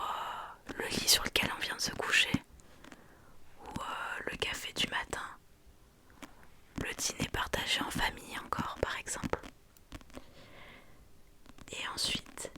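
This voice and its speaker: Woman doing asmr, whispering like in a library, really slow, kinda hesitant explaining w pauses. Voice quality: soft library whisper, unvoiced. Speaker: ASMR creator. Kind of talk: whispered ASMR book talk.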